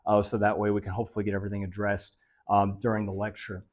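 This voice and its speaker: A man presenting a health lecture to seniors in a meeting room, his voice raspy and nasal and a bit dry from allergies, talking in a monotone with many fillers. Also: fairly low pitch, fast talker, highs cut off. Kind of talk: live lecture to a senior audience.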